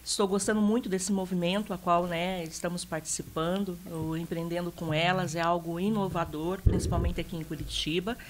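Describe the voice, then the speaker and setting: A woman's voice: lowish voice, fairly even intonation, a little fast, hardly any pauses, slight background noise, poor audio. A Brazilian woman in her fifties, a sales consultant guest on a radio talk show, speaking earnestly and hesitantly with many fillers. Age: 50s. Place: radio studio.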